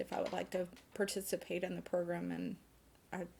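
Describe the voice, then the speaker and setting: A woman's voice at medium pitch. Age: 40s. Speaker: photographer and class instructor. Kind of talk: interview. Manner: halting, many fillers.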